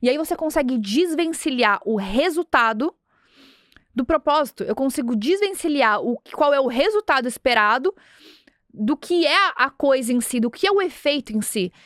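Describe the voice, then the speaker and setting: High-voiced Brazilian woman telling a story. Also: normal speed, no room sound, clean studio sound. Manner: earnest, animated, acts out dialogue. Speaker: podcast host. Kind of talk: motivational storytelling.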